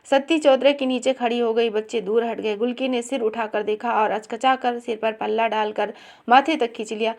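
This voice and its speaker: A woman narrating a literary short story aloud in a measured, expressive reading. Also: on the high side. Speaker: story reader.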